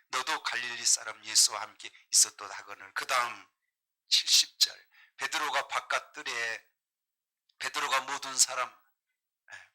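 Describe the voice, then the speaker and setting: Bright-voiced preaching man. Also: medium pitch, rough recording. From Jeolla, South Korea. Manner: emphatic, asks the congregation rhetorical questions. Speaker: pastor. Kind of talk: sermon with scripture reading.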